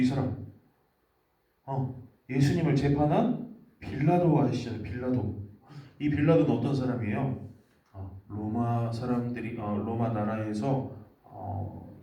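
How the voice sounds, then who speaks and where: A man's voice: mid-range voice, warm tone, echoey room, recorded from a distance. A man giving a children's sermon, telling a story and quizzing the kids with questions. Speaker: children's ministry preacher.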